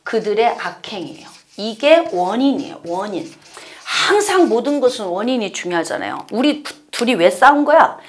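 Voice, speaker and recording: Woman pastor doing bible study, voice sits high and swings around a lot, acts out little scenes. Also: very animated, normal speed. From South Korea.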